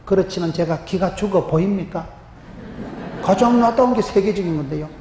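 A middle-aged man with a strong Gyeongsang dialect, preaching an animated, humorous sermon, often dropping low for punchlines. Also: brisk. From Gyeongsangbuk-do, Korea. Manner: emphatic, humorous, gestures a lot, drops to low punchlines. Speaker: pastor. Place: large church stage with chalkboard. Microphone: handheld microphone. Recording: roomy hall reverb, faint noise.

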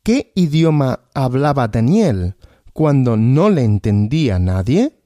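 A man teaching Spanish through a story, asking questions and answering them himself, repeating each answer slowly. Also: mid-range voice, big pitch swings, mellow, dry recording, clean studio sound. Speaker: Spanish teacher, podcast host.

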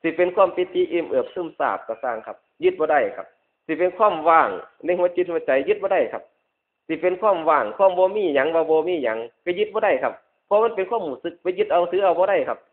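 Higher-pitched man preaching with northeastern Thai accent. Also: lively intonation, fast talker. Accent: northeastern Thai (Isan). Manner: emphatic repetition, ending phrases with polite particles. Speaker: Buddhist monk teacher. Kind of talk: Buddhist dhamma sermon. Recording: dull lo-fi radio-like recording.

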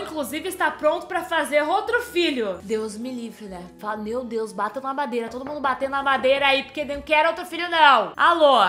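A woman narrates her gameplay in a high, bright voice. She is excitable, scolding and chatting with the characters on screen. The room around her is roomy, with game music underneath. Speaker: gameplay host. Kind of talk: casual gameplay commentary.

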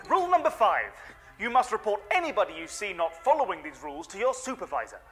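An actor playing a manically cheerful 1990s training video presenter, perky and singsong, with exaggerated diction and a sinister edge. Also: male voice, sits high, very animated, fairly quick, bright, forceful tone, faint music behind, exaggerated voice. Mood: perky, officious. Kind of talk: scripted children's-show style corporate training video acting.

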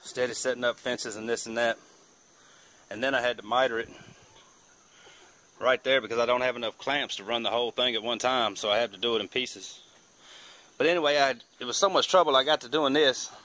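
A man's voice: mid-range voice, steady tone, fairly quick, pauses often, pushed and bright. A man, casually narrating his own woodworking project in a plainspoken, self-deprecating, rambling way. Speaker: hobby welder and woodworker. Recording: noisy outdoor recording with air conditioning and traffic hum.

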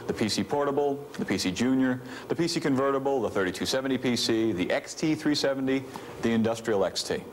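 A man's voice: medium pitch, fast talker. A man in his thirties giving a scripted, methodical training film presentation as an instructor on a vintage video soundtrack. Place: indoor studio set with office equipment. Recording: faint noise, vintage 1980s video soundtrack.

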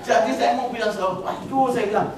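A man's voice: extremely high pitch, fairly quick. A middle-aged man preaching a humorous sermon, telling stories, laughing often and talking straight to the congregation. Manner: jokey, laughing often, addresses the congregation directly. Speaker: pastor. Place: church hall at a revival meeting. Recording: very echoey hall, voice from far off, congregation audible. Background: congregation noise and laughter.

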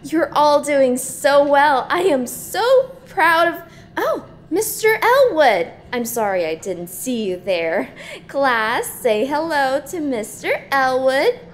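A woman's voice: high-pitched, big pitch swings, slow pace, exaggerated voice. A woman playing a falsely cheery, cruel class instructor in an audio drama, gushing theatrically in a saccharine manner. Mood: gushing, mocking.

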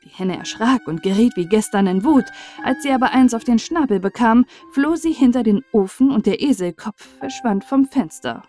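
A woman narrating a fairy tale as a bedtime audiobook, with measured, expressive storyteller delivery. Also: fairly high pitch, soft background music.

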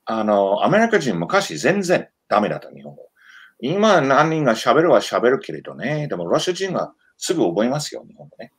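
An American man whose first language is English, co-hosting a casual live-stream chat in halting, non-native Japanese with frequent restarts. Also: medium pitch, huge pitch swings, breathy edge. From United States. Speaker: co-host, history researcher.

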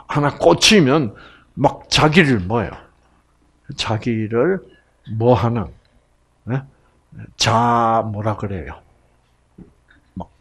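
A man's voice: medium pitch, slightly rough. A middle-aged man giving a health lecture to an audience, acting out quoted voices. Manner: animated, acts out quoted voices.

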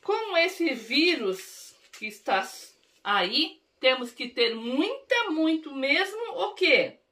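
A Brazilian woman teacher, speaking with a Brazilian Portuguese accent, reads words syllable by syllable for young children in a literacy lesson and coaxes them to read along. Her high voice is slow, bright and pushed, with big swings in pitch.

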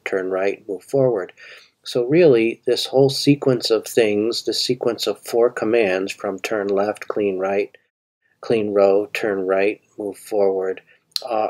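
Slow, thinking-aloud male coding tutor. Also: lowish voice, darkish tone. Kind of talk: screen-recorded coding walkthrough.

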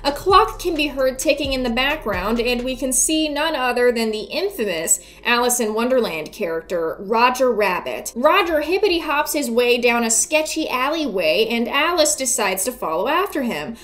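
High-voiced young woman, wry video commentary. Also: expressive, normal speed, hardly any pauses, fairly bright tone. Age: 20s. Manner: wry, sardonic, casually sweary. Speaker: YouTube video essayist. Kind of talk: casual scripted video commentary. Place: small indoor room before a green screen. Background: background music.

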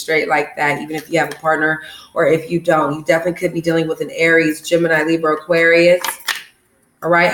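Brief: low-voiced woman tarot reader, casual and foul-mouthed, roomy echo around her. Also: a bit bright. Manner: casual and profane, frequent "okay?" check-ins.

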